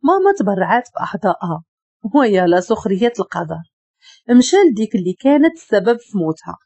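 A woman's voice: mid-range voice, big pitch swings, fast talker, warm tone, slightly rough, no room sound, highs cut off. Woman voicing a jealous, pleading Moroccan ex-lover. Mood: bitter. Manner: pleading, bitter, shaky.

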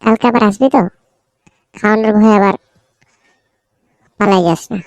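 Woman as teasing cartoon buddy, familiar and bossy, caring, fry in the voice, very dry close sound. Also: mid-range voice, steady tone, normal speed, no echo, natural voice. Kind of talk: cartoon dialogue.

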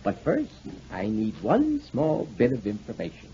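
A man's voice: fairly low pitch, wildly swooping pitch, measured pace, warm tone, husky, heavily acted. A man playing an exasperated, wry police lieutenant in a 1940s radio drama. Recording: muffled, noisy 1940s radio recording.

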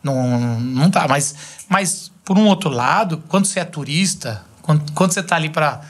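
A man in his thirties from Brazil, hosting a podcast in a small studio at a boom mic, chatting casually and gesturing as he tells stories. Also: moderate pace. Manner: animated, gesturing storyteller. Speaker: podcast host. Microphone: boom mic on desk arm.

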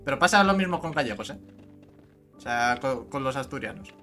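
A man's voice: medium pitch, lively intonation, brisk, sharp tone, soft background music. A man chatting casually on voice chat, teasing and arguing his point.

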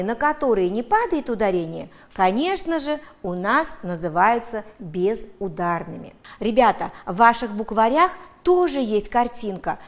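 A woman with an Uzbek accent teaches first graders on television, her voice a little high and swinging widely up and down. She speaks slowly and in a sing-song way, stretching words out so that small children can follow along. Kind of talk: televised lesson for young children.

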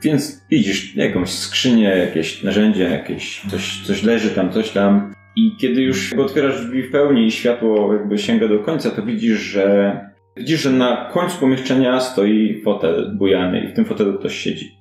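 As game master for a fantasy detective tabletop session, a man spins improvised, descriptive narration, hedging as he goes. His voice sits lowish and a little mellow, at a moderate pace. Faint music hums behind him, and the space sounds roomy and echoey.

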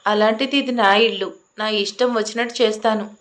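A woman's voice: mid-range voice, fairly even intonation, brisk, fairly bright tone, natural voice. A woman voicing an arrogant, stubborn young man who speaks in curt, commanding lines in an audio love story. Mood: stern, bossy.

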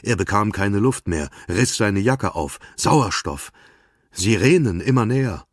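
A man's voice: fairly low pitch, animated, measured pace, no echo. A man narrating a thriller audiobook in terse, tense scripted prose.

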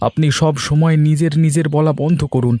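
A man's voice: on the high side, fairly even intonation, fairly quick, warm tone, no room sound, pitched above the performer's own voice, close to an everyday voice. A man voicing a poor village man who stands up to the headman, polite at first but stubborn. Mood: defiant. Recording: faint music behind.

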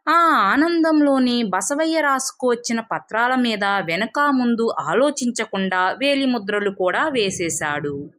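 A woman's voice: on the high side, animated, unhurried, fairly bright tone. Woman storyteller narrating a moral tale.

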